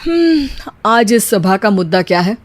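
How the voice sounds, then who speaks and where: A woman's voice: mid-range voice, sing-song, normal speed, pitched below the performer's own voice, lightly acted. A woman voicing a joking middle-aged father-in-law in a cartoon story, mocking his wife.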